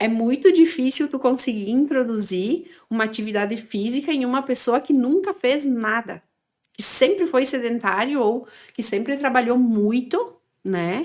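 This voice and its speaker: Her pitch high and her intonation lively, a woman talks at a fairly slow pace. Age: 30s. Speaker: physiotherapist. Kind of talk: casual chat.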